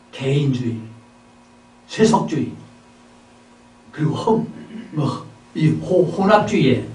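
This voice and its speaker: A man delivers a sermon in a chapel service, asking rhetorical questions and moving between forceful and hushed lines. His voice sits a little high. He is picked up from some distance in a reverberant hall. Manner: rhetorical questions, swings between loud and soft. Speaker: preacher. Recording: echoey hall, mic at a distance.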